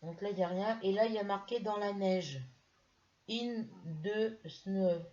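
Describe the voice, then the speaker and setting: A woman's voice: mid-range voice, fairly even intonation, fast, mellow, muffled recording. Chatty grandmother showing a haul. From France. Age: middle-aged. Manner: chatty, hesitant, many restarts. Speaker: craft vlogger. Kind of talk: casual haul video.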